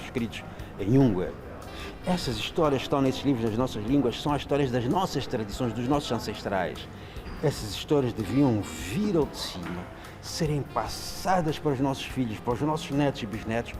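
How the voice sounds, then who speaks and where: With a Mozambican accent, a man speaks at a medium pitch and a moderate pace. His intonation is lively, and background noise is noticeable. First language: Shitswa (speaking Portuguese). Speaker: academic, head of a book institution. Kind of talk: interview.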